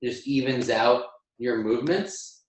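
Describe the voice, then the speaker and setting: A man's voice: medium pitch, measured pace. New Jersey man in an echoey room. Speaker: panelist. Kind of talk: casual chat, explaining.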